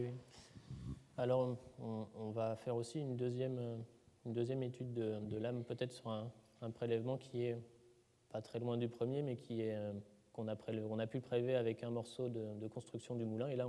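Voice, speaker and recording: Guy presenting his dig at a seminar, flat dark voice, lots of euhs, echoey hall. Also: medium pitch. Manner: hesitant, many fillers and restarts. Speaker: doctoral student presenting excavation results. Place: lecture hall. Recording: reverberant lecture hall.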